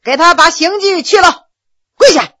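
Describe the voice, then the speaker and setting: A woman's voice: extremely high pitch, lively intonation, normal speed, bright, forceful tone, pitched above the performer's own voice, full character voice. A woman voicing a harsh, scolding male magistrate in a spoken storytelling. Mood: stern. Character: stern, flustered male magistrate.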